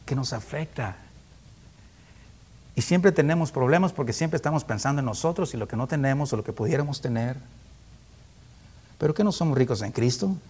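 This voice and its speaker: Husky-voiced man teaching a sermon. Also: mid-range voice, animated, fairly quick, pauses often, a little mellow. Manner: rhetorical questions with frequent tag questions; chuckles often while teaching. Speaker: preacher. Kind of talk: conversational Bible teaching.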